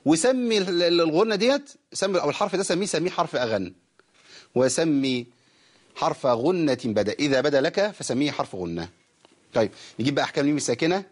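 A man with an Egyptian Arabic accent hosts a broadcast lesson on Quran recitation, explaining the rules and slowly chanting verses from a teaching poem. His voice is on the high side and slightly rough, with big swings in pitch.

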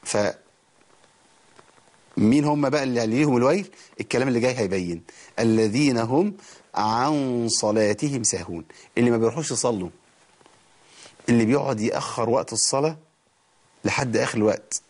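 A man with an Egyptian accent teaching Quran recitation on a TV programme, explaining rules in quick colloquial speech and reciting verses slowly. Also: mid-range voice, darkish tone, husky. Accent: Egyptian Arabic. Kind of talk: TV recitation lesson.

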